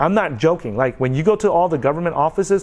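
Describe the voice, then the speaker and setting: A man with an American accent has an unremarkable speaking voice. He talks at a fairly quick pace with lively intonation. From Vietnam, raised in the US. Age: 40s. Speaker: YouTuber. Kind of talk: vlog monologue. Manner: casual, repetitive filler.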